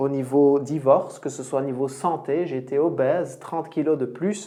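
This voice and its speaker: A moderate pace and a dark, mellow tone, with a Belgian accent. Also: man. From Belgium, Liège. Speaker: life coach. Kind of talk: welcome video; online talk.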